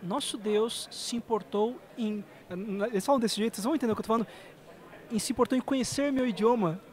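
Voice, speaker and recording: A Brazilian man with a high-pitched voice tells stories as a guest on a podcast. He talks with feeling and comes out in quick bursts, his accent clear throughout. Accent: Brazilian Portuguese. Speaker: missionary guest. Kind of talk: podcast conversation.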